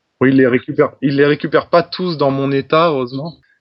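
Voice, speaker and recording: A man's voice of medium pitch carries fairly even intonation. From France. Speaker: long-distance cycling traveller and author. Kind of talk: casual interview. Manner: halting.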